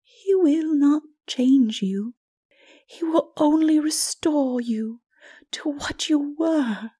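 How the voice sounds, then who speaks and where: A woman voicing a grave, gentle woman of sorrow in a dark fantasy audiobook, speaking slowly and solemnly. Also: sits high, no echo, studio quality, voice pushed up. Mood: gentle, firm. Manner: gentle, slow, solemn, partly breathy.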